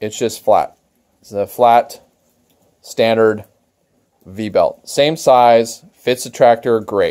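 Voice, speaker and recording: Over a quiet background, a man with a dark, mellow tone speaks at a fairly slow pace. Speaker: tractor owner doing repair. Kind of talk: tutorial. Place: garage. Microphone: phone near.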